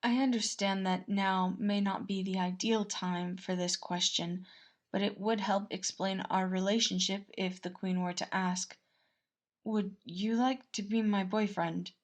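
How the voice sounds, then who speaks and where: A woman voicing an earnest, protective male royal advisor in a measured, formal way for a storybook tale. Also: medium pitch, fairly even intonation, close to an everyday voice. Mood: tender, careful.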